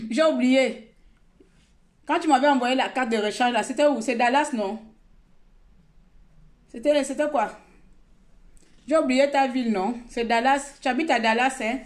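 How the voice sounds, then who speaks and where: A woman from Gabon talks straight into her phone during a live stream. She rambles and repeats herself, lecturing her viewers and then drifting into casual chat. Her voice sits a little high. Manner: talkative, scolding and repetitive, mixing sermon and chat.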